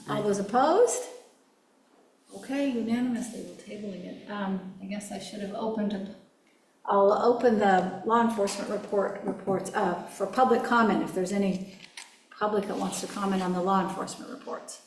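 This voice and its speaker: A woman's voice: medium pitch, fairly even intonation, normal speed, slight background noise. Woman chairing a meeting, distant, echoey. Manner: informal, hesitant. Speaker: committee chair. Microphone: video call.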